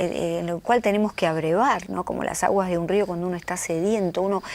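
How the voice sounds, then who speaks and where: This is a woman's voice with a fairly low pitch. Her intonation is fairly even. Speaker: cultural commentator with a doctorate. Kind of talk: TV interview discussion. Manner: frequent fillers and hesitations.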